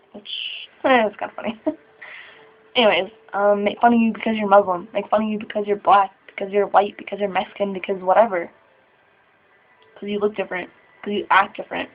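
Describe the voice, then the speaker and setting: A nervous 21-year-old trans man speaking haltingly in a personal vlog, sighing and laughing between thoughts. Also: high voice. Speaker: vlogger. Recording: tinny phone-like sound.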